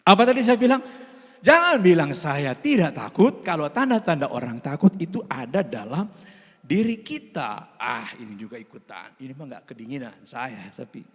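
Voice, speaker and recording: Sundanese-accented guy preaching in church, high-ish lively voice, big hall echo. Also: moderate pace. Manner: lively, animated preaching with playful asides and laughter. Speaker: pastor. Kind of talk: sermon. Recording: long hall reverb.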